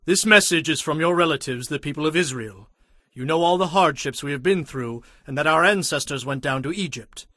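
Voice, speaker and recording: A man playing an earnest, respectful ambassador in a dramatized audio Bible, speaking formally and in measured phrases. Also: a little high, sharp tone, dry recording, studio quality. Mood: earnest, pleading.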